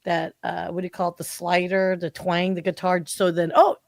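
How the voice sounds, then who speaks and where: A woman in her forties with a voice on the low side talks at a moderate pace, captured in a dry, studio-quality recording. She's a marketing consultant on a podcast as a guest, chatting casually and animatedly and using "like" as a frequent filler.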